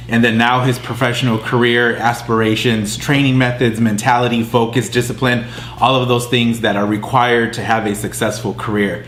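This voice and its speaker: A man's voice: mid-range voice, a bit bright, echoey room, a little hiss or hum. A man who grew up near Chicago hosting a podcast interview, talking in a friendly, rambling way. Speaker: podcast host. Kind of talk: casual interview.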